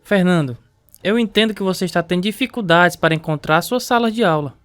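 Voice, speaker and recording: A high, smooth-voiced patient principal. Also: male voice, brisk, a bit bright, soft background music. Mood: reassuring. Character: patient, long-suffering male school principal. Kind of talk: radio drama acting.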